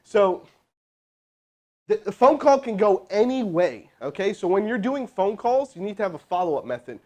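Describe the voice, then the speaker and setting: A man hosting a live stream as a sales trainer, energetic and casual, with chatty asides to his crew. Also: sits high, moderate pace. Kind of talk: hyped live-stream coaching and cold calling. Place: indoor room with crew present.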